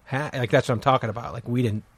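Quick-talking man co-hosting. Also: mid-range voice, fairly even intonation, slightly rough, dry recording. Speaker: co-host interviewer. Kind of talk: casual chat.

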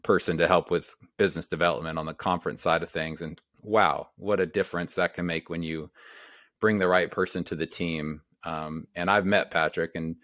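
Very deep-voiced enthusiastic male podcast host. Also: steady tone, moderate pace, a bit bright, dry recording, studio quality. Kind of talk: conversational podcast interview.

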